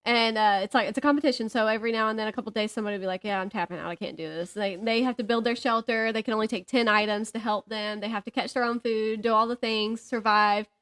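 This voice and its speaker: A woman chatting casually as a podcast co-host, telling stories in an animated way and acting out what people said. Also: a little high, quick pace, few pauses. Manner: animated storyteller who acts out reported dialogue and jokes at herself. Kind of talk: casual chat, storytelling.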